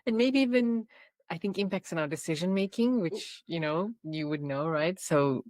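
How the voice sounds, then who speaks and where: A woman hosting a podcast interview, asking unhurried, layered questions with plenty of hedges. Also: on the low side, lively intonation, a little mellow, no room sound, studio quality. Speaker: podcast host.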